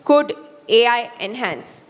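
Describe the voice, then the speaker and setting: High-pitched Indian woman hosting, noisy room. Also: lively intonation, slow. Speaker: event host asking questions. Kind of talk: rapid-fire stage questioning. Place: indoor event hall. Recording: noisy hall background.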